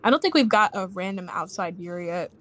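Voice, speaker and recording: A woman's voice: medium pitch, animated, fairly quick, fairly bright tone. A woman chatting with friends in a tabletop game stream, playful and giggly. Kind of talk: casual chat.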